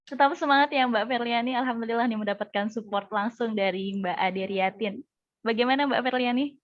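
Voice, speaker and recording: A woman moderator keeps an online class moving, politely passing the turn between speakers. Her voice is a touch high and dry, heard through dull, lo-fi call audio. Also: brisk, no echo.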